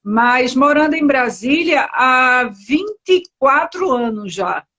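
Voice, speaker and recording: A woman's voice: sits high, animated, slow pace, bright, forceful tone, dull audio. A woman from Recife with a Pernambuco accent, talking as a guest in a live interview and rambling with many fillers. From Recife, Brazil. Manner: chatty, many fillers and self-corrections. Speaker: entrepreneur, guest. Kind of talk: casual live-stream interview.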